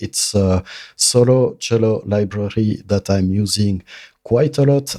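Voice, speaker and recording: A man's dark, mellow voice at medium pitch, fairly even in intonation and moderate in pace, on a very clean recording with a silent background. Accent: non-native. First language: not English. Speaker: composer and sample library reviewer. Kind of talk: casual unboxing walkthrough. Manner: hesitant, with fillers and repetitions.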